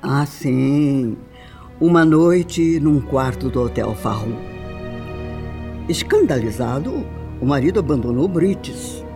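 An actress playing a refined, sorrowful older mother in a radio drama, with a Brazilian accent and solemn, deliberate, formal phrasing. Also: a bass voice, expressive, full character voice. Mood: grave, bitter. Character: older upper-class widowed mother, grave, sorrowful, refined. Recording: music under the voice. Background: background music.

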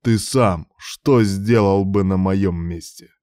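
A cold, vengeful man, voiced by the male narrator speaks in a very low, deep voice with clipped, contemptuous menace. His bitterness stays hard and controlled in this audiobook. The recording is dry and close. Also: takes it slowly, darkish tone, dry recording. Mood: bitter anger. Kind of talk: audiobook character voice.

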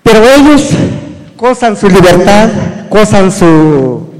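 A man whose first language is an indigenous one gives earnest, halting testimony in Spanish at a public hearing. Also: high-pitched, very animated, big-room sound, poor audio. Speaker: indigenous community witness. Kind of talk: slow formal testimony at a hearing. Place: hearing hall.

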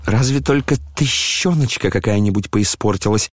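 A man's voice: fairly low pitch, normal speed, dry recording, clean studio sound, natural voice. A man voicing a fawning, greedy older man in an audiobook, whining and wheedling. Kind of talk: audiobook character reading.

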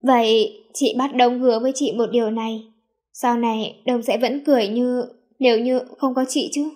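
Woman voicing a gentle, coaxing young mother-to-be. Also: a little high, fairly even intonation, moderate pace, close to an everyday voice. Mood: tender. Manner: coaxing, affectionate. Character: gentle playful pregnant young woman, doting older sister figure.

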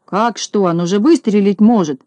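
A woman's voice: mid-range voice, moderate pace, warm tone, no echo, natural voice. A woman voicing a fat, cowardly male policeman in a storybook, yelping in panic. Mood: panicked.

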